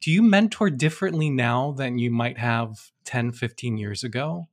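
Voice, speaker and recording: A man at a medium pitch hosts an interview. He asks brief, conversational questions in a plain, everyday voice. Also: animated, moderate pace.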